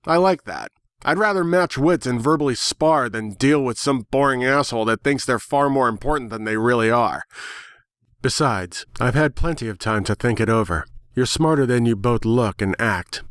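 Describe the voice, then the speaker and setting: A man narrating a first-person story dramatically, with sardonic, expressive delivery, recorded close in a dry space. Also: mid-range voice, no room sound. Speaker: fan fiction narrator.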